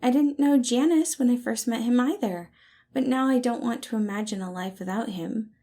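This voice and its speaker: A sweet, soft-hearted man played by a woman, pitched well up and brimming with affection. He speaks with eager, tender cheer, as a character in an audio story. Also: moderate pace. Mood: tender, earnest.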